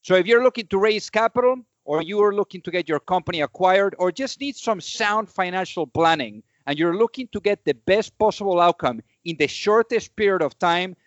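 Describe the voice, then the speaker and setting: A man's voice: high-pitched, brisk, hardly any pauses, dry recording, highs cut off. A man reading a scripted promo as a podcast host.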